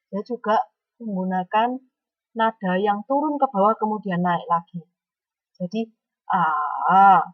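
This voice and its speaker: A woman's voice: medium pitch, dry recording, muffled recording. A woman teaching a Mandarin lesson online, speaking patiently and often adding a questioning "ya".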